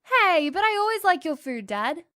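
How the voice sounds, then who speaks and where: Woman playing a high-voiced polite child. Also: very animated, moderate pace, bright, forceful tone, no echo, clean studio sound, heavily acted. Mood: gentle, reassuring. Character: polite young child reassuring a parent. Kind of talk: cartoon voice acting.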